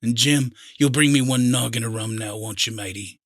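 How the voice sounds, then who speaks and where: A man's voice: medium pitch, moderate pace, a bit bright, no echo, clean studio sound. Man acting out a pleading, feeble old pirate. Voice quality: weak voice. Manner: rough sailor's dialect, wheedling, agitated. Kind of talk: audiobook character acting.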